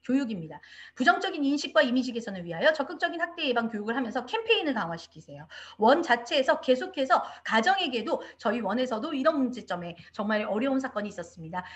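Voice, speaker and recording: A woman giving an online training lecture to childcare staff, in an animated instructive way, now and then acting out quoted speech. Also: high-pitched. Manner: animated instructive delivery, acts out quoted parents and teachers. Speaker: lecturer on child abuse prevention. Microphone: video call.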